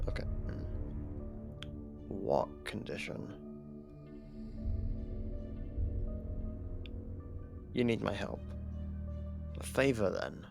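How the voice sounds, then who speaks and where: Man acting as a gravelly, smug jailed killer. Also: medium pitch. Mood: incredulous, sardonic. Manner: drawling, sarcastic, teasing delivery. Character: imprisoned male serial killer, smug, taunting, sardonic, flirtatious. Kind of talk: ASMR roleplay audio drama.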